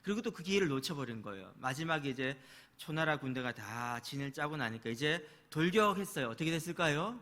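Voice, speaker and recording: A man's voice: a little high, animated, brisk, sharp tone. A man preaching a sermon as pastor, telling a story, acting out the quoted voices and putting rhetorical questions to his congregation.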